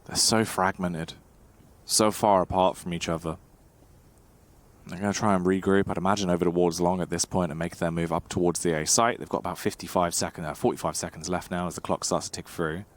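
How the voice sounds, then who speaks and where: A man commentating play-by-play as an esports caster, moving between measured analysis and excited calls. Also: sits low. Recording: game gunfire noise behind voice. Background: video game gunfire and clicks.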